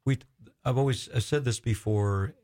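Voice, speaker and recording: A man hosting a Christian talk radio interview, speaking effusively but haltingly as he searches for his words. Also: mid-range voice, a little mellow. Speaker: radio show host.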